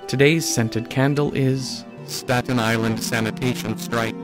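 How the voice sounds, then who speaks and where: A man's voice: mid-range voice, steady tone, a little slow. A man reading scripted podcast credits and sponsor messages as the announcer. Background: music.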